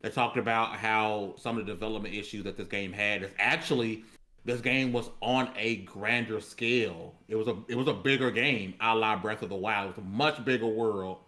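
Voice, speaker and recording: A man on a gaming podcast panel giving casual, explanatory commentary in a measured way with colloquial asides. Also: lowish voice, fairly even intonation, pushed and bright.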